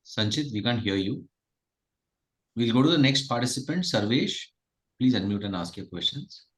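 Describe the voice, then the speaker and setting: A man's voice: medium pitch, animated, moderate pace, rough recording. A man moderating a conference call and handing over to participants.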